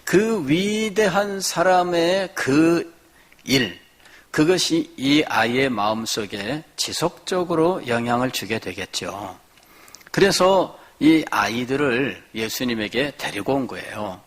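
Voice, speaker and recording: A man pastor gives a teaching sermon at a middle pitch for his sex. He explains verses step by step and briefly acts out the voices he quotes. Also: expressive, slow, a bit bright. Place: church.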